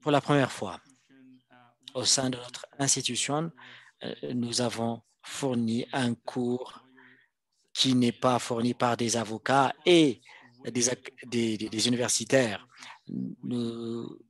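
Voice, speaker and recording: A man interpreting a formal presentation live, in halting phrases that come piece by piece. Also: mid-range voice, fairly even intonation. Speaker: simultaneous interpreter.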